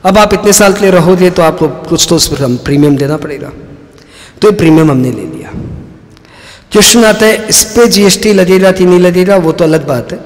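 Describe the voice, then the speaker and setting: A man lectures on tax in a chatty, storytelling manner. He acts out short dialogues in his examples. His slightly high voice rings with the long reverb of a hall. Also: lively intonation, a little fast.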